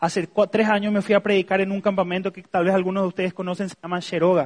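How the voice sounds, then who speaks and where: Pitched high, a man talks at a very fast pace in an animated tone. The sound is dry and close with no echo. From Paraguay. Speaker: preacher. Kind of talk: sermon.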